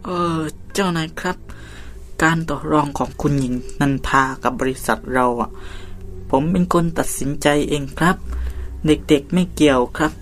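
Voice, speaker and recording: A man's voice: on the high side, moderate pace, close to an everyday voice. An actor playing a polite, loyal employee who takes the blame in front of his boss. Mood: deferential. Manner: polite, deferential. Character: loyal male company employee.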